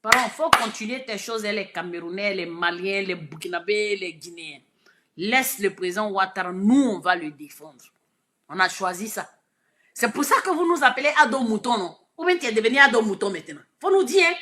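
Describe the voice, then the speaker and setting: A woman with an Ivorian French accent giving an impassioned, preachy live video address, swinging from shouted lines to hushed asides. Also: mid-range voice, lively intonation, brisk, a little hiss or hum. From Côte d'Ivoire. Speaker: online commentator.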